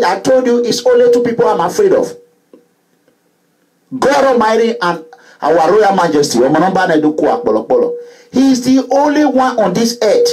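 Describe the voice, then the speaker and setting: A middle-aged man delivering an emphatic, repetitive monologue to his followers, at times rising to loud outbursts. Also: fairly high pitch, poor audio. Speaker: online commentator.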